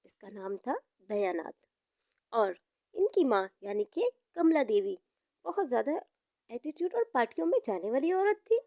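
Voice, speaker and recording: A woman's voice: a little high, big pitch swings, normal speed, dark tone, no echo, clean studio sound. A woman narrating a moral story in an informal storytelling style.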